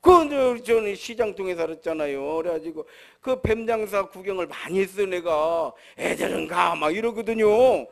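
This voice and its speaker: Middle-aged male pastor, gravelly and high-voiced, preaching by telling stories and acting out others' voices. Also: lively intonation, normal speed, few pauses. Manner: storytelling, acts out quoted voices; swings from soft murmurs to loud emphatic bursts. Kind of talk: sermon.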